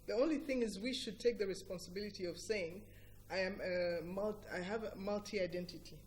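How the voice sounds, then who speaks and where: A middle-aged woman with a Ugandan accent, speaking as an interview guest in an earnest, emphatic and deliberate explanatory way. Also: medium pitch, slight background noise. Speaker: interview guest, cultural organisation director. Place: TV breakfast show interview.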